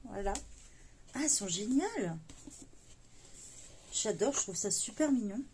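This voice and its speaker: A woman's voice: medium pitch, expressive, unhurried, darkish tone, slight background noise. A woman chatting casually as she unboxes a parcel of coloring books, full of fillers and delighted little exclamations. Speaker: coloring book haul vlogger.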